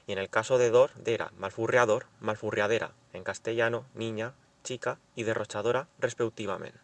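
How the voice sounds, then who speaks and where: A man's voice: on the low side, steady tone, normal speed, vocal fry, no room sound. Man explaining a language lesson. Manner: careful, explanatory reading of example words. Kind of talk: scripted lesson narration.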